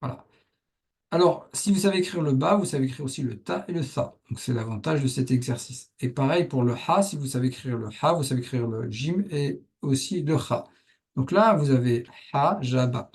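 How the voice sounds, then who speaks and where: Gravelly-voiced man teaching a lesson. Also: medium pitch, animated, moderate pace, a little mellow. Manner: patient, thinks aloud while writing. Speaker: Arabic teacher. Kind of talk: explaining a writing lesson.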